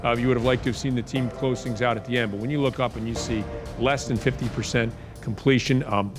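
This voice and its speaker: A man hosting a college football show, reading his lines in a smooth, polished way. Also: medium pitch, steady tone, fast talker, music in the background. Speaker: show host.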